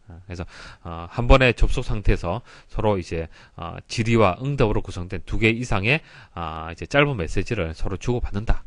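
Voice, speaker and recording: A man with a lowish voice, on a dry recording, gives an explanatory lecture for exam prep in which he reads and solves exam questions. He explains politely in a didactic manner, putting stress on key terms.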